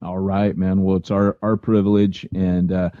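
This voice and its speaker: A man's voice: deep voice, flat delivery, moderate pace, no room sound, phone-quality sound. A man co-hosting a podcast and introducing a guest in a playful, teasing way. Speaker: podcast co-host, interviewer. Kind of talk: casual podcast interview.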